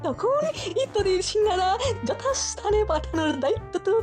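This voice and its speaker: A woman's voice: extremely high pitch, lively intonation, normal speed, music in the background. A woman voicing a gleeful, taunting bully in a comedy cartoon, in a mocking, exaggerated way. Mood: smug, mocking. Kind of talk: animated comedy cartoon acting.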